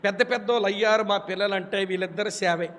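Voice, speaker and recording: A man's voice: sits high, fast. A man preaching a sermon as a storyteller, acting out the voices in his tales and calling out to his listeners. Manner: animated storyteller, acts out quoted voices, addresses listeners directly. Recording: long hall reverb.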